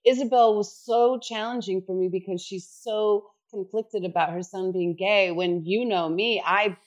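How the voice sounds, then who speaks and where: A middle-aged woman from New York City, an actor, chatting casually as a podcast guest, animated and quick to laugh, often restarting her sentences. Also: mid-range voice, muffled recording. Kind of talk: casual chat.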